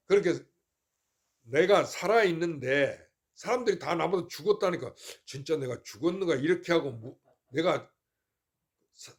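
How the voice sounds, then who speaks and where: An older Buddhist monk gives a folksy, informal Dharma talk to his temple congregation, often asking whether they follow him. His voice is a little high.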